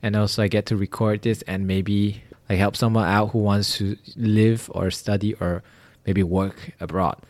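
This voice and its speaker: A man's voice: on the low side, little pitch movement, moderate pace, darkish tone, no echo. A young man from Malaysia hosting a casual podcast, rambling with lots of fillers. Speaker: podcast host. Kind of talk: casual chat.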